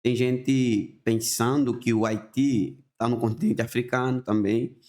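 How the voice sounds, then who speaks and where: Angolan man, podcast guest; warm low tone, measured explanatory delivery. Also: steady tone. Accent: Angolan Portuguese. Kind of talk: conversational interview.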